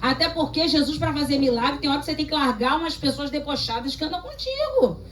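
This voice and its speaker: A woman's voice: sits high, animated, fast talker, a bit bright. A Brazilian woman pastor preaching a sermon, telling stories and acting out dialogue as she exhorts the congregation. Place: church hall. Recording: echoey church hall, mic at a distance.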